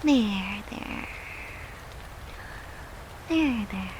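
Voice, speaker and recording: A woman playing a devoted, tender girlfriend who soothes her lover in a soft, affectionate, intimate roleplay. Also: medium pitch, animated, noisy background. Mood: tender, soothing. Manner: soft, soothing, affectionate, unhurried, at times whispering. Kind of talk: intimate roleplay audio, comforting.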